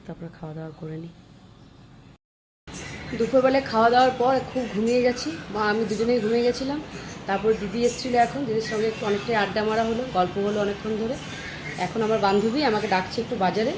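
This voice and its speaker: Fast-talking woman vlogging with a sore throat. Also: on the high side, steady tone. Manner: chatty, addresses viewers directly. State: sore throat, speaking softly. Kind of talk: casual daily vlog narration. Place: home and outdoors, moving around. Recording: noisy phone recording.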